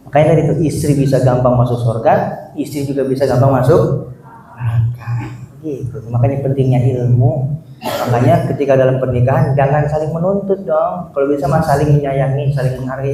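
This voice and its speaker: A man's voice: on the high side, dark tone, distant mic. A man preaching an Islamic study sermon, telling a story and acting out the characters' lines. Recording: echoey hall, mic from afar, faint noise.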